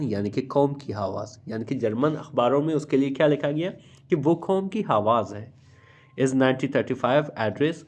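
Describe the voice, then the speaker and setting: A man with a South Asian accent teaching English, reading phrases slowly and deliberately, then explaining and repeating them in translation. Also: medium pitch, darkish tone.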